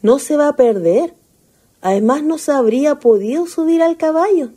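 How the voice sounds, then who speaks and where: A woman's voice: high voice, animated, normal speed, dark tone. A woman with a Chilean accent playing a shy, flustered young country ghost in a radio drama, hesitant and naive.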